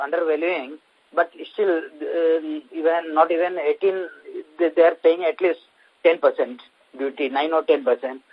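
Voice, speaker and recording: Man, Indian accent, slightly high husky pitch, halting delivery, executive explaining on a dull phone conference. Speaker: company executive answering investor questions. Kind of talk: earnings conference call explanation. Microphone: conference call phone line.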